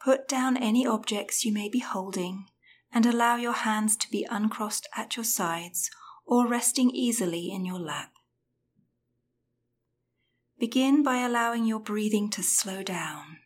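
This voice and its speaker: A woman guiding a breathing meditation in a soft, soothing voice that often drops to a whisper. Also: medium pitch, unhurried. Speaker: meditation guide.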